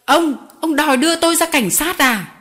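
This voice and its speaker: A woman's voice: mid-range voice, a little slow, fairly bright tone, lightly acted. A woman reading an audiobook voices a sly, cruel male boss who talks sweetly while threatening children, in a mocking, menacing way. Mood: indignant.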